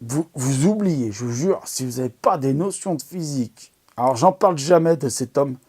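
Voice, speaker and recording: Hosting an amateur astronomy video, this man speaks at normal speed in a medium-pitched, mellow, husky voice that stays animated. His documentary picks come out in a loose, excited ramble, packed with fillers and false starts, in the style of casual product recommendation talk.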